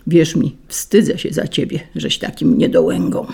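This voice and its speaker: A woman's voice: deep voice, very animated, normal speed, warm tone, husky, heavily acted. A woman voicing a mocking, restless breeze. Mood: teasing scornful. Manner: teasing, scornful. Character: mocking restless male breeze, freedom-loving.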